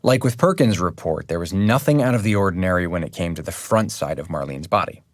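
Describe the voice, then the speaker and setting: True crime podcast host, very low voice, serious measured narration, dry studio sound. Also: male voice, lively intonation, dry recording. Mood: grave. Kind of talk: scripted true-crime narration in audio drama.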